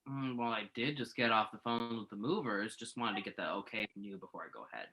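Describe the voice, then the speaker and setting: Glum, bright-voiced male journalist, acted by a man. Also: fairly low pitch, quick pace, low-quality recording. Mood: dry banter. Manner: sardonic, self-deprecating. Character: self-doubting, glum male entertainment journalist. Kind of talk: acted play reading.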